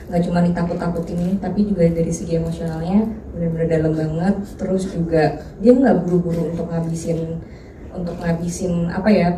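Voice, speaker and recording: A woman's voice: lowish voice, fairly even intonation, a little fast, warm tone. A woman, a film actress, answering at a press conference in an earnest, thoughtful way. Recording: distant echoey room, noisy.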